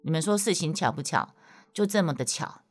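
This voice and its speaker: A young woman with a Taiwanese Mandarin accent telling a story to her listeners in a casual, emphatic way, her voice leaping up when she gets worked up. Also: brisk. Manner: animated, emphatic, voice jumps high when worked up.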